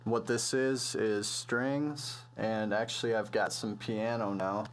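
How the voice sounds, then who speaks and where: A man with a low voice gives a music production tutorial as a computer voice-over recorded on a microphone. His explanation is casual and loose, full of slang, as though he's figuring it out as he goes, with slow delivery and fairly even intonation.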